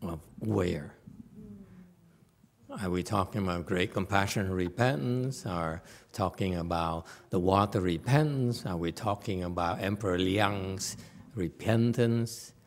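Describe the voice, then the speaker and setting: A man teaching as a Buddhist master, answering questions in a halting way with long hesitations and repeated words. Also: low voice.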